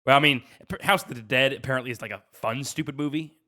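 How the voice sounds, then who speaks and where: A man co-hosts a casual podcast and runs a quiz segment. His voice is bright and sits at an average pitch. The talk is informal and conversational. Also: quick pace. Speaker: podcast co-host running a quiz game.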